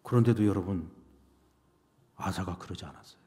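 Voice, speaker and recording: A man preaching a sermon as pastor, animated, asking the congregation rhetorical questions. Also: low-pitched, a little fast. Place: church sanctuary. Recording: reverberant church sanctuary.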